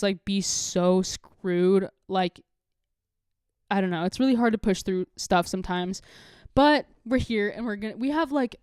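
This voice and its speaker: A young woman in her late teens chats as a solo podcast host in a smooth, clear voice at a medium pitch. The recording is close and dry. Her delivery is casual and confessional, rambling along with lots of filler "like". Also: darkish tone, no echo. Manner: rambling, heavy use of "like", candid.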